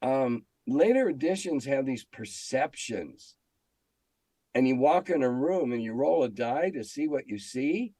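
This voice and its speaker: A man's voice: mid-range voice, expressive, unhurried, dark tone, dry recording. An older American man answering in a conversational interview, telling stories and stressing his opinions with emphatic repetition. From United States. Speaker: interview guest, veteran game designer and editor.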